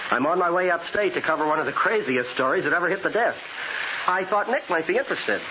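A man's voice: a little high, lively intonation, quick pace, lightly acted. A man playing a cocky, chatty newspaper reporter in a 1940s radio drama, with a breezy, wisecracking manner. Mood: eager storytelling. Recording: hissy, tinny 1940s radio recording.

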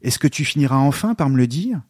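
A man reading the lines of a gentle, pained young male believer, softly and in a hushed voice. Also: medium pitch, expressive, fast talker, slightly rough, dry recording, clean studio sound.

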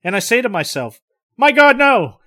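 A man's voice: high-pitched, animated, moderate pace, a bit bright, pitched above the performer's own voice. A man reading the part of a terrified man reliving an encounter, stammering and breathless with panic.

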